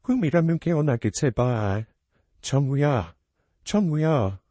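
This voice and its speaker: A man's voice: mid-range voice, animated, slow, warm tone, no room sound. A man voicing a middle-aged mother in shock, pleading in disbelief.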